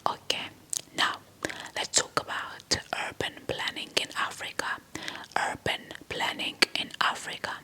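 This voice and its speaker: Whispering ASMR woman, slow and crisp. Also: bright, forceful tone, low-quality recording. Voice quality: breathy, fully unvoiced whisper. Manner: slow, deliberate, often repeating words and phrases. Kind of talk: whispered ASMR lecture, reading informational text.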